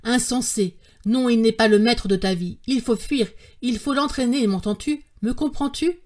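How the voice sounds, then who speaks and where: A woman's voice: fairly high pitch, expressive, moderate pace, warm tone. A woman voicing a desperate, exhausted young man in an audiobook, pleading urgently with a raised voice. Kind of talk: audiobook character reading.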